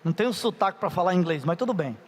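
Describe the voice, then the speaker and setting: A middle-aged preacher with a high voice, talking in a chatty, playful way and turning to the crowd for help. His voice carries a long echo through a large conference hall. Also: animated, very fast. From Paraíba, Brazil. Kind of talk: youth conference sermon. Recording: reverberant hall.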